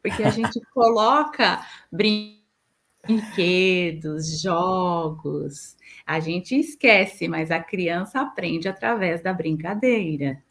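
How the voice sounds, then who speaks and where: A woman's voice: on the low side, extremely slow, fairly bright tone. A middle-aged Brazilian woman, a speech therapist, explaining patiently in an interview and giving examples.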